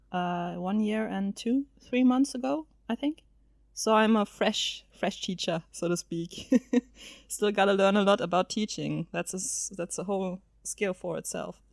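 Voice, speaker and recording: A woman whose first language is German talks casually as a guest on a podcast. She laughs a lot and pauses with ums and uhs between her thoughts. Her voice sits at a middle pitch and sounds very dry and close to the mic. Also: gravelly, no echo. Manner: chatty, laughs often, hesitant fillers. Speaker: featured guest.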